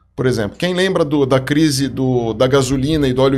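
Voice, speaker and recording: A man speaks in a medium pitch with a plain, everyday voice. His intonation stays fairly even. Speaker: plastic surgeon and financial educator. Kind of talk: podcast interview.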